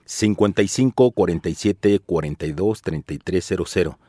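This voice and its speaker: A man's voice: low voice, normal speed, warm tone, no room sound, clean studio sound. A man with a Mexican accent co-hosting a radio show, reading out phone numbers and promotions in a salesy, friendly way.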